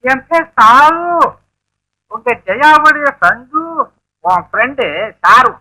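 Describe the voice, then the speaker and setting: A young woman in an old film, teasing someone playfully over the phone. Her voice is very high and brightly ringing. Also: animated, slow pace, heavily acted, poor audio. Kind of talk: 1960s film acting.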